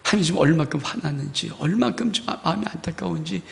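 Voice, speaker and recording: A man's voice: on the high side, fast talker, vocal fry, in a large hall. A male pastor preaching a fervent sermon and reading scripture aloud to his congregation. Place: church sanctuary.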